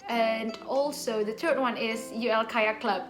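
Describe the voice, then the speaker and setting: A young woman, a study abroad student talking softly and giggling in a casual Q&A. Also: fairly high pitch, steady tone, a little slow, music in the background. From Indonesia. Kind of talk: casual Q&A chat.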